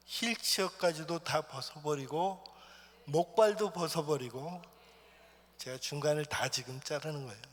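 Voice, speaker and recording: A man preaching a personal testimony in church, swinging from loud, stirring lines to hushed whispers. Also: on the high side. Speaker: missionary preacher. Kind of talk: sermon testimony. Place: church sanctuary. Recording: long church hall reverb.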